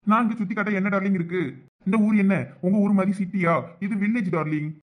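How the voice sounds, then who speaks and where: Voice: mid-range voice, quick pace, close to an everyday voice. A voice actor playing a lazy, henpecked young village husband in a cartoon, impatient, with a Thoothukudi Tamil accent. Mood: grumbling.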